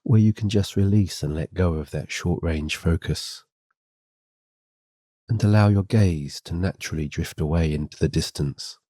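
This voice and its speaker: A man giving a scripted sleep hypnosis and guided meditation in a gentle, soothing, guiding way. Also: low-pitched, moderate pace, husky, no room sound, studio quality.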